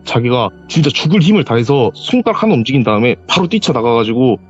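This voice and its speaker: Animated man telling a ghost story by phone. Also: fast talker, breathy edge, muffled recording, soft background music. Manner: animated, acts out quoted voices with sharp pitch jumps. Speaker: caller telling a personal story. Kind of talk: call-in horror storytelling. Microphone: voice call.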